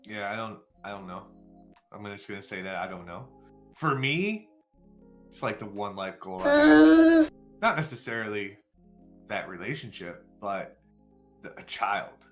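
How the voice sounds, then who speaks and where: A low-pitched man in his forties talks openly with a live stream audience, circling his thoughts with fillers and wry self-deprecation. Faint music plays underneath. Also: huge pitch swings, normal speed, pauses often. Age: 40s. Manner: candid, rambling and self-deprecating, with frequent fillers. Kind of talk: casual chat with viewers.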